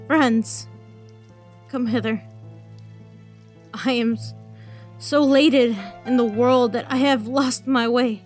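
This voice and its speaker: A woman playing a defeated, ashamed Roman general in a Shakespearean audio drama, sombre and halting. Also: on the high side, fairly even intonation, faint music behind. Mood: despairing.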